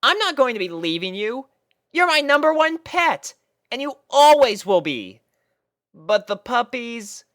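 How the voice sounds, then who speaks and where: A storyteller voicing a brash, caring, excitable cartoon pegasus pony mare with emphatic, drawn-out announcements. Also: medium pitch, no echo, clean studio sound, voice pushed up. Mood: tender, pleading.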